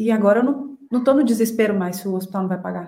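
Lively intonation and a fairly quick pace mark this woman's ordinary speaking voice. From Brazil, Maranhão (Imperatriz). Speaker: doctor and finance content creator. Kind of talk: casual interview.

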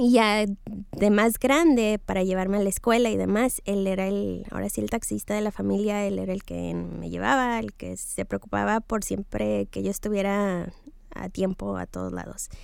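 A woman at a moderate pace with hardly any pauses, on a very clean recording with a silent background. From Southern California (Riverside), Mexican family. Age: 30s. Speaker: school psychologist. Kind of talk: interview.

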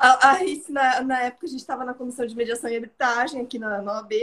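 The woman's voice is high. She talks very fast. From Northeast Brazil, several cities. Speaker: lawyer and mediator. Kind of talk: interview on a live stream. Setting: online live stream.

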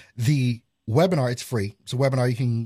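A man speaks with a dark, mellow tone and fairly even intonation, somewhat breathy, in a dry, close sound with no echo. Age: 40s. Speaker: voiceover artist and podcast host. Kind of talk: live call-in show.

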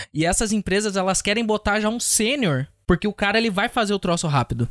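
A man talks at a fairly quick pace on a very clean recording with a silent background, the sound dry and close with no echo. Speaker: podcast host. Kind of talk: casual chat.

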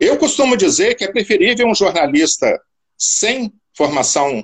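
A man speaks with a dry, close sound and no echo. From Brazil, Minas Gerais and Rio de Janeiro. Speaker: marine science professor. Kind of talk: live radio interview.

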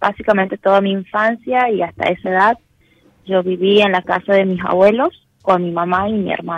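With a plain, everyday voice, a woman talks at a moderate pace and medium pitch with fairly even intonation, in a dry, close recording without echo. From Santiago del Estero, Argentina. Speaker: caller, university student. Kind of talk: casual phone conversation, seeking advice. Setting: phone call to radio show.

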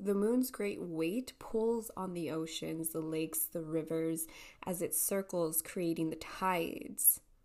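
A woman with an American accent and a normal speaking voice, fairly low in pitch with ordinary pitch variation and hardly any pauses. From El Paso, Texas. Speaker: astrology reader and podcaster. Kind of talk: casual monologue astrology reading.

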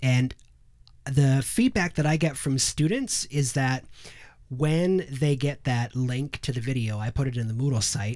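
A man with a normal speaking voice talks at a fairly slow pace and medium pitch with ordinary pitch variation. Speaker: podcast host. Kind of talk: interview podcast conversation.

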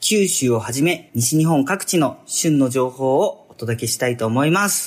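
A man talks at a moderate pace in a plain, everyday voice. His intonation is lively, and the recording is very clean with a silent background. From Yamaguchi, Japan. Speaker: radio host and farmer-dancer. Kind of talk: casual interview. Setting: on location at a company.

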